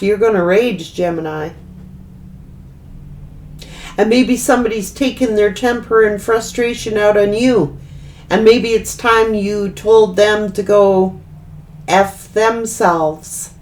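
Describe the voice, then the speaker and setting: A woman tarot reader speaking to her viewers with a blunt, scolding edge. She talks slowly and draws out her words, pressing each point home with repetition and the odd swear word. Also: mid-range voice, a little mellow, slight background noise. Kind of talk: tarot reading to camera.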